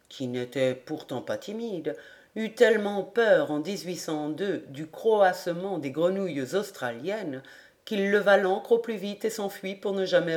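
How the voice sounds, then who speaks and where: A woman voicing a calm, dry male army major who speaks low and unhurried, in an audiobook reading.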